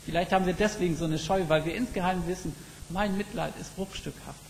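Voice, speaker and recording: A man preaching a sermon, reflective and slow, telling stories with emphatic pauses. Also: high voice, gravelly. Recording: long reverb with faint background noise.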